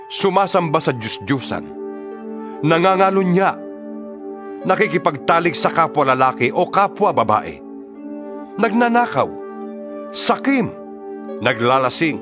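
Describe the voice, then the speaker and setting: A man's voice: a little high, fairly bright tone. A man playing a stern, impassioned apostle in a dramatized scripture reading, admonishing his church with emphatic, preacherly delivery. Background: music behind the voice.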